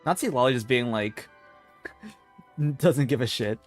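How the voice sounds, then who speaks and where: A woman's voice: extremely low pitch, lively intonation, slow pace, a little mellow, faint music behind. A woman giving casual live commentary as she streams a video game.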